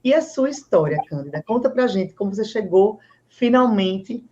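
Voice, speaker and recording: A woman's voice: medium pitch, lively intonation, normal speed, a little mellow, muffled recording. A woman hosting an interview, speaking in an affirming, conversational way. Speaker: host, doctor. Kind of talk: casual interview talk.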